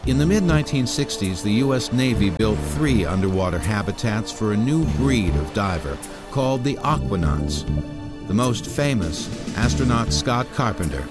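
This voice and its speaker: Documentary narrator, American man, low register, scripted read over a clear music bed. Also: big pitch swings, moderate pace.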